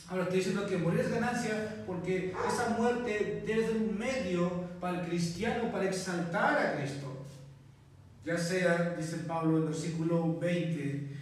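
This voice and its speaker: A male pastor preaching an earnest sermon, often calling his listeners brothers and pausing on thinking fillers. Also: high-pitched, a little hiss or hum. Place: church. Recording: very echoey church hall, voice from far off.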